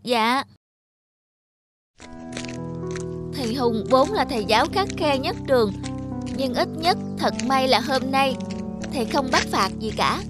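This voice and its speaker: A woman's voice: high-pitched, animated, normal speed, music in the background. A woman voicing a forgetful, reluctant little schoolboy in a children's cartoon, with a boyish, grumbling manner. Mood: sheepish.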